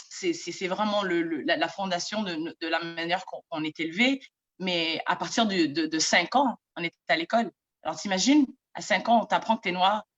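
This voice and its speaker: A woman's voice: fairly low pitch, muffled recording. A Somali-born woman in her thirties, a native Somali speaker, speaking earnestly on a panel and repeating words as she searches for them. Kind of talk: panel discussion remarks. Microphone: video call.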